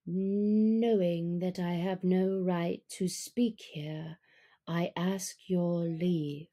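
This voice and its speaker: A sly, courtly black panther out of a storybook, as a woman puts him on. The voice sits a little low and purrs along slowly, each phrase soft and deliberate. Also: fairly even intonation. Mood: smooth, persuasive. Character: cunning, smooth-spoken male black panther.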